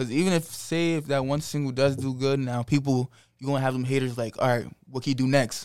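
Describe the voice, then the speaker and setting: With an American accent, a man with an unremarkable speaking voice talks at a fairly quick pace with medium pitch and fairly even intonation. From Virginia, US, Sierra Leonean heritage. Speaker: rapper. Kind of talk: casual chat.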